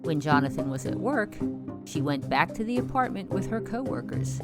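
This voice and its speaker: A woman host giving scripted narration of a true story in a measured storytelling delivery. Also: lowish voice, sing-song, loud music behind the voice.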